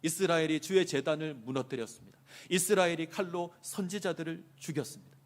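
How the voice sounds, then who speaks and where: A man's voice: fairly high pitch, brisk, close to an everyday voice. A man voicing a weary, aggrieved male prophet who pleads with God and complains in impassioned rhetorical questions. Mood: pleading.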